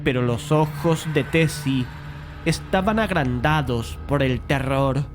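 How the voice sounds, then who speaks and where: An actor playing a skeptical, paternal painter who tells his own story in measured audiobook narration and dialogue. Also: mid-range voice, music in the background, natural voice. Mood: narrating. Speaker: narrator and main character.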